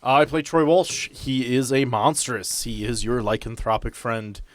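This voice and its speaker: A man's voice: medium pitch, steady tone, a little slow, no room sound. A man bantering casually with friends as a player on a tabletop game podcast, joking and swearing freely. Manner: joking, profane.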